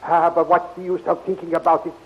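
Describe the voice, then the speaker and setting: A man's voice: fairly high pitch, monotone, brisk, husky. An actor in a 1930s radio serial playing an older, fatherly, fretful inventor, earnest and theatrical. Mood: wistful. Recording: hissy, muffled 1930s radio recording.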